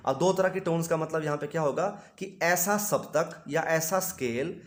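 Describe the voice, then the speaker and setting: A man's voice: a little high, normal speed. Man teaching a music lesson in Hindi. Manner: patient, asks and answers his own questions.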